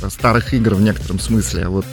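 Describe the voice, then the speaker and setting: Low-pitched male radio guest. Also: fast, creaky, over music. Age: 40s. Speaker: studio guest, tech executive. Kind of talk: casual interview chat. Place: radio studio. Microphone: studio radio microphone.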